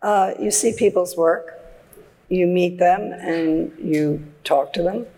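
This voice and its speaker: A woman's voice: fairly low pitch, slow, warm tone. A woman speaking on a design panel at a live conference, opinionated and emphatic, restarting her sentences as she builds a point. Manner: emphatic, opinionated, repeats words when starting. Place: large conference hall, live audience. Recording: hall reverb on stage.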